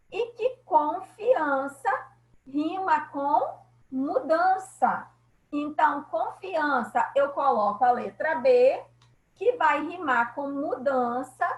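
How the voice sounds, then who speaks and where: A Brazilian woman teacher giving an online class by video call, slow and patient, often checking that students follow. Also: high-pitched, echoey room, poor audio. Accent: Brazilian Portuguese.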